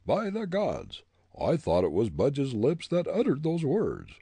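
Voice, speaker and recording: A man's voice: fairly high pitch, huge pitch swings, unhurried, warm tone, husky, no room sound, pitched above the performer's own voice, full character voice. A man voicing a stern, blustering male smuggler captain who makes demands and accusations. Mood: accusing.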